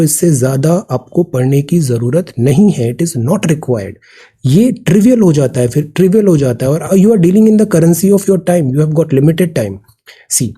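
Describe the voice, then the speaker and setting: A man's voice: fairly high pitch, dark tone, slightly rough. A man teaching a current affairs exam prep lesson, mixing Hindi and English with an Indian English accent, explaining words and asking students questions. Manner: explanatory, drills pronunciation, asks students questions.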